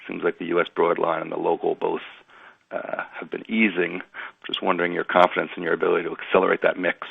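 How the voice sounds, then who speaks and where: A man's voice: deep voice, vocal fry, husky, dry recording. A male financial analyst asking questions on an earnings call in a tentative, wordy way. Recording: tinny phone line, dry.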